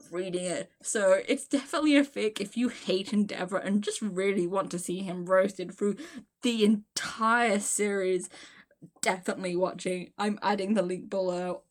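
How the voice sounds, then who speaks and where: A woman host casually reading aloud and chatting about it, gushing and giggly, often stumbling over her words. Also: medium pitch. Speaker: host of a fan fiction reading series. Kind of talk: casual rambling chat and read-aloud with reactions.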